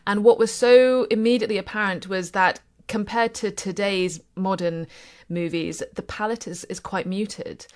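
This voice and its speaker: A woman's voice: medium pitch, steady tone, normal speed, a little mellow. A woman from Indonesia and Singapore, a panelist on a news podcast, talking in a thoughtful, hesitant way with many restarts. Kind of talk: casual chat.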